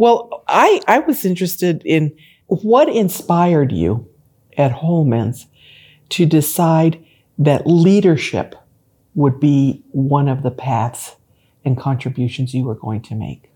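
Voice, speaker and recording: Very slowly, a woman speaks with a very deep, low pitch, very wide pitch swings, a somewhat breathy quality and a dark, mellow tone. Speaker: clinical psychologist and author. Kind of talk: interview.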